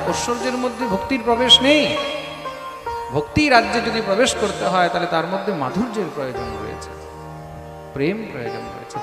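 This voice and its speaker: A male preacher giving a devotional sermon, asking rhetorical questions and answering them himself with scolding emphasis. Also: high voice. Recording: echoey hall with music behind.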